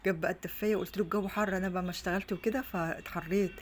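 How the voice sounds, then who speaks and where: Rapid chatty Egyptian woman vlogging at home. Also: fairly low pitch, fairly even intonation, a little hiss or hum. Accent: Egyptian Arabic. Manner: chatty, rambling, many restarts. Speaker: vlogger and mother. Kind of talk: casual home vlog chat. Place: her home, indoors. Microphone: phone on a stand.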